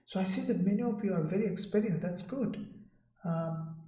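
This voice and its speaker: A man's voice: high voice, normal speed, warm tone. Echoey-voiced man talking a live trading stream. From Sydney, Australia. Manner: loose, repetitive, talks to viewers and reads chat aloud.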